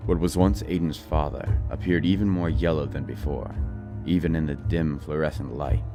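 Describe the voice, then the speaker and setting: A man's voice: extremely low pitch, steady tone, moderate pace. A man narrating a scripted horror audiobook in a dramatized, storytelling style. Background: music.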